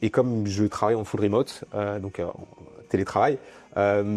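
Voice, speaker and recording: A man is speaking. His tone is dark and mellow. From France, Strasbourg (Alsace). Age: 30s. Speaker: software developer, expat interviewee. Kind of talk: interview. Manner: hesitant, many fillers.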